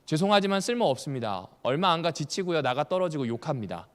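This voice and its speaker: A man's voice: a little high, sing-song, quick pace. A male pastor giving a Bible study lecture, asking the audience questions and repeating key points, with humorous asides. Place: church hall. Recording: long hall reverb.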